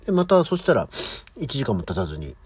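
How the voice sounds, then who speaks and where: A middle-aged man hosting his own morning show, chatting casually and with high energy as he tells a story alone. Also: huge pitch swings, fairly quick, a little mellow, slightly rough, dry recording. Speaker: podcast host. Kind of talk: casual solo morning talk.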